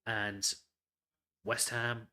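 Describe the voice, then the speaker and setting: A man's voice: lowish voice, flat delivery, extremely slow, bright, forceful tone. A man hosting a live football watchalong, calling the play and ranting bluntly with lots of swearing. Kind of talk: live match commentary and rant.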